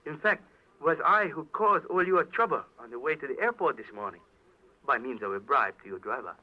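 An actor playing a smooth, scheming, politely menacing villain with a formal, deliberate manner in a 1940s radio drama. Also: male voice, a little high, animated. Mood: smug. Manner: formal, deliberate, drawn-out hesitant murmurs. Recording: dull old radio recording.

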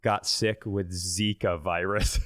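A man's voice: low voice, fairly even intonation, slow pace, a bit bright, no echo, studio quality. A man co-hosting a comedy podcast, telling casual stories in an irreverent, profane way.

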